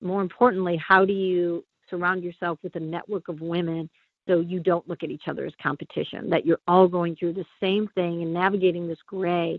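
A woman with an American accent talks at a moderate pace in a fairly low pitch. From Chicago. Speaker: sports broadcaster. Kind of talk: interview. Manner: halting.

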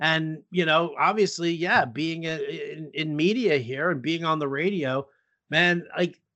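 A loud man with an animated tone speaks at a fairly slow pace. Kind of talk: casual chat.

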